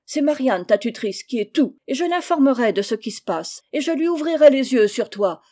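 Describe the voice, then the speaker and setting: A shrill, accusing farm wife, as a woman reader puts her on, pitched high and pushed loud. Her scolding is sharp and piercing, in a mellow storybook voice. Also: lively intonation, moderate pace. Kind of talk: audiobook character reading.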